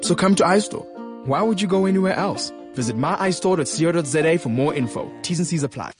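A man's voice: a little high, lively intonation, fast talker. A man reading a radio ad script in a light, chatty, comic tone. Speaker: ad voice-over. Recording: music bed behind.

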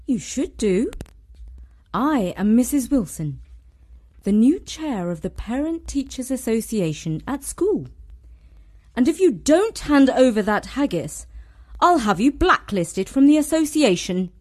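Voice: mid-range voice, sing-song, a little slow, darkish tone, voice pushed up. Narrator voicing a bossy, imperious committee lady. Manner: imperious, haughty demands. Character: bossy, pushy middle-aged woman, a school committee chair.

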